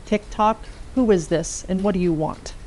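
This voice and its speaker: A woman's voice: mid-range voice, normal speed, a little mellow, slight background noise, natural voice. A woman playing a vain, haughty, irritable princess, imperious and dismissive, in an audio drama. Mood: irritated.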